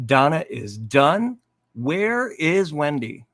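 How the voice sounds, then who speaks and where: A man's voice: a little high, sing-song, takes it slowly, fairly bright tone, no room sound. Man co-hosting a true crime show, close dry sound. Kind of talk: casual commentary, reading out viewer comments.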